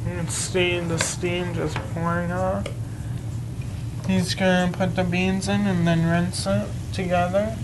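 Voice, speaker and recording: A young man presenting a cooking show on a TV studio kitchen set, explaining each step in a plain, halting way. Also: sits high, flat delivery, noisy background. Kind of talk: kitchen demonstration.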